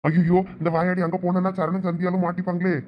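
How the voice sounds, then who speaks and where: A man's voice: high-pitched, flat delivery, fairly quick, a little hiss or hum, natural voice. A man voicing a sly, scheming young man in a cartoon, with a Thoothukudi Tamil accent. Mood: coaxing. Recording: dull lo-fi sound.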